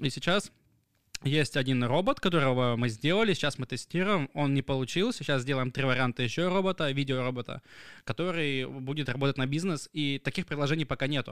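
A normal speaking voice at a fairly quick pace with ordinary pitch variation, in a very clean recording with a silent background. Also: man, fairly high pitch for a man. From Russia, Krasnodar region (Novorossiysk, Abinsk). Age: 20s. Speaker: videographer and producer. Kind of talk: casual chat. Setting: at home during a meal.

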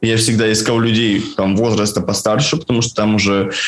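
A man with a fairly low voice keeps a moderate pace while noticeable background noise plays. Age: 20s. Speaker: interviewee sharing personal experience of ADHD. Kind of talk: interview testimony. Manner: halting, filler-heavy speech.

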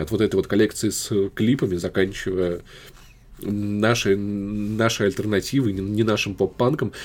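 Recorded very cleanly against a silent background, a man with a fairly low pitch talks at a moderate pace with ordinary pitch variation. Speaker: podcaster and music streamer. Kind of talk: casual chat.

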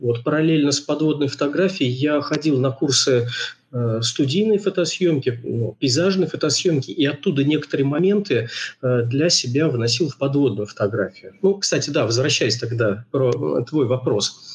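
This is a man with a fairly high pitch. His voice is somewhat breathy. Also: lively intonation, moderate pace. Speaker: underwater photographer. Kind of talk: casual interview. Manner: hesitant, many filler sounds.

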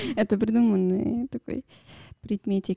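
A woman speaks at a fairly slow pace with ordinary pitch variation, her tone dark and mellow, in a dry, close sound with no echo. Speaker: podcast co-host. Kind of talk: casual chat. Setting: studio.

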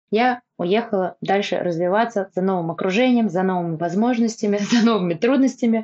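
The delivery moves at a moderate pace with ordinary pitch variation. It is an ordinary speaking voice. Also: woman. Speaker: emigrant interviewee. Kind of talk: recorded personal story.

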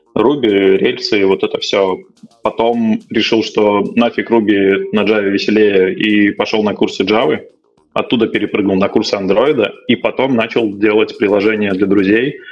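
With music in the background, a man talks at a moderate tempo. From Belarus, Minsk. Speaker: Android team lead. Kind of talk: casual chat.

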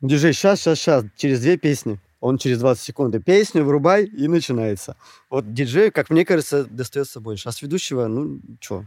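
Lively in intonation and fairly high in pitch, a man speaks at a fairly quick pace in a very clean, silent recording with a dry, close sound and no echo. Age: 30s. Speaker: children's party entertainer and musician. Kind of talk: casual interview chat. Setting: studio. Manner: animated storytelling.

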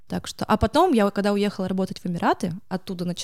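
A woman's voice with vocal fry at a fairly quick pace. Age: 30s. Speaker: divorced mother sharing her story. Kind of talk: casual chat.

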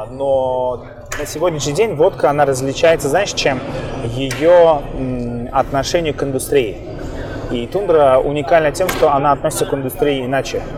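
Noticeable background noise and audible room echo surround a man speaking at a moderate pace, with a fairly high pitch and ordinary pitch variation. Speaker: bar industry figure and author. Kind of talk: interview. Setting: trade show floor.

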